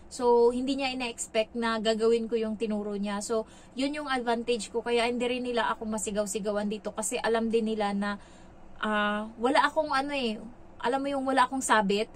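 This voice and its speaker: A woman from the Philippines who works as a domestic helper, talking frankly to her viewers in a rambling, conversational way full of filler pauses. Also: fairly high pitch, slight background noise, rough recording. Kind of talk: casual vlog talk to viewers.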